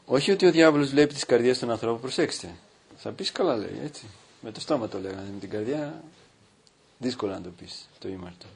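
A man preaching as a priest, reading from a book and stopping to comment, with slow, drawn-out emphasis. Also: mid-range voice, animated, vocal fry, a little hiss or hum. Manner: reads aloud from a book, breaking off to comment. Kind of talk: sermon.

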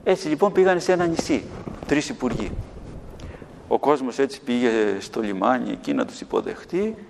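A man's voice: medium pitch, vocal fry, background noise. Man preaching to children in a reverberant hall. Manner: animated storytelling, asks the audience questions. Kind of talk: sermon to children with storytelling.

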